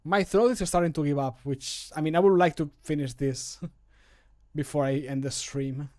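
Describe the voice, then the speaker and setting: Casual male streamer, slightly high voice. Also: steady tone, moderate pace, dark tone. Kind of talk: casual chat while recording voice lines. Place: small home room.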